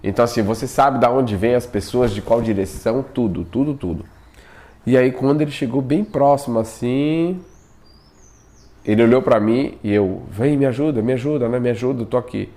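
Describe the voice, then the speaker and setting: A man's voice: mid-range voice, moderate pace. A man, telling a personal experience in casual spoken storytelling and acting out what he said back then. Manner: animated, acts out his own past pleas, often asks himself "por quê?".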